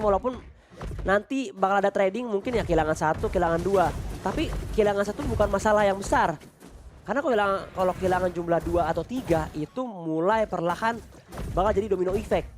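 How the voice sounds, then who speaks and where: An Indonesian man commentates an esports match in an excited fighting game announcer manner. He punches and stretches key phrases for emphasis. There is faint noise and clicking behind his voice. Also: sits high, fast.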